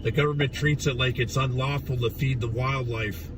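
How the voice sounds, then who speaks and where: Hoarse, raspy man ranting from his truck. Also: medium pitch, steady tone, moderate pace, distant mic, very noisy. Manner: blunt, profane, rambling. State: hoarse from yelling. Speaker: livestreamer at a protest. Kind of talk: casual ranting livestream. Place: inside a parked truck. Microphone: phone.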